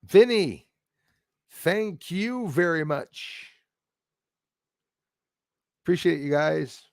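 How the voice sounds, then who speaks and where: A man in his forties with a Canadian accent, hosting a casual livestream in a rambling, halting way as he responds to viewers. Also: a little high, lively intonation, creaky, darkish tone, dry recording, studio quality. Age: 40s. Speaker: livestream host. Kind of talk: casual live chat, reacting to viewer comments.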